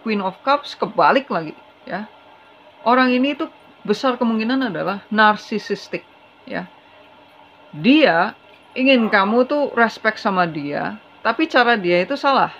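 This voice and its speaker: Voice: medium pitch, expressive, measured pace, pauses often, a bit bright. A tarot reader giving a casual, chatty reading straight to the viewer, earnest and advising. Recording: slightly dull with faint hiss.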